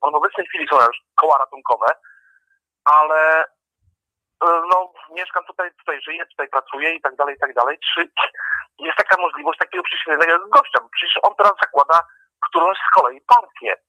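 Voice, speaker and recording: A man's voice: on the high side, very animated, brisk, sharp tone, dry recording. A man calling in to a radio show over a phone line, talking in a hesitant, rambling way. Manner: hesitant, rambling, restarts often. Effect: heard over a phone line. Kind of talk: casual call-in chat. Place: lives and works in England.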